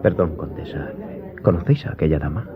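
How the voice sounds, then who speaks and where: An actor playing a courteous young gentleman in a radio drama, speaking with formal politeness. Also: rumbling low, fairly quick, crowd noise. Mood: polite curiosity. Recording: dull lo-fi sound, loud music behind.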